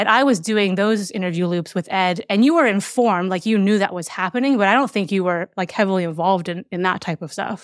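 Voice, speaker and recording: A woman talking at a very fast pace, with ordinary pitch variation and hardly any pauses. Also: medium pitch for a woman, very clean recording, silent background. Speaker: podcast host and executive leadership coach. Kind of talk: conversational interview.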